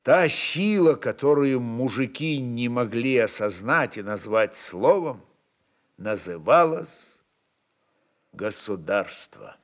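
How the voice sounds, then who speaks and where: Guy reading a novel dramatically, slow n brooding, heavy pauses, very animated intonation. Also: mid-range voice. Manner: brooding, deliberate, with weighty pauses. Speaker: narrator. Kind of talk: dramatic literary narration.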